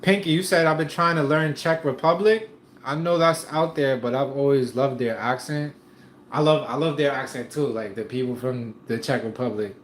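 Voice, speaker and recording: A man's voice: medium pitch, normal speed. Laid-back slangy man, echoey room. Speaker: livestream host reading viewer comments. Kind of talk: casual live chat. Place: room at home. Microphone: streaming setup. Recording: echoey room, faint noise.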